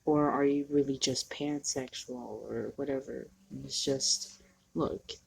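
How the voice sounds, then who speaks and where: A young trans man talking candidly to the camera in a casual home vlog, halting and self-deprecating, sniffly from allergies. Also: mid-range voice, fairly even intonation, vocal fry, breathy edge, low-quality recording. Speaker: vlogger. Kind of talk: casual personal vlog monologue.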